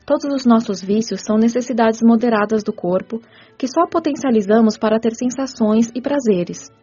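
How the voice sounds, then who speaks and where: An actress playing a kind, patient spirit caretaker who explains rules in a measured, teacherly radio drama delivery. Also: female voice, fairly high pitch, dark tone, husky. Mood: patient, instructive. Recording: muffled audio with music underneath.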